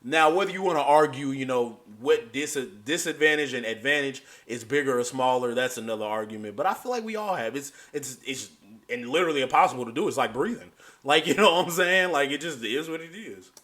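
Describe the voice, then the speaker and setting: A man hosting a reaction video, talking in a loose, animated way and laughing through his points. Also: mid-range voice, fairly quick. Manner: animated, keeps saying "you know what I'm saying". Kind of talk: casual chat.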